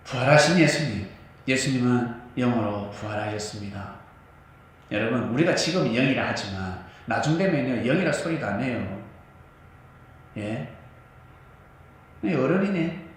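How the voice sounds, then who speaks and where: A man preaching a sermon as a pastor, animated and scolding at times, recorded in a church. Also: mid-range voice, normal speed, slight background noise. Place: church sanctuary. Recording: echoey church hall, mic at a distance.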